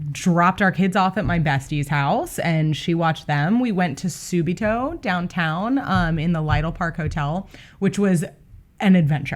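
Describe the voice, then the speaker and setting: A woman uses a normal speaking voice, fairly low in pitch, with ordinary pitch variation. She goes at a fairly slow pace on a very clean recording with a silent background. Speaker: podcast co-host. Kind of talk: casual chat.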